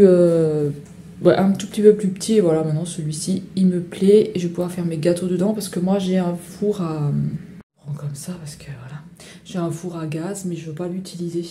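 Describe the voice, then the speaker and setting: Chatty woman with a mellow voice. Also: on the low side, steady tone, fairly quick, slight background noise. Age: 30s. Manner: chatty and rambling, full of fillers and slang. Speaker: vlogger. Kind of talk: casual home vlog. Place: home kitchen.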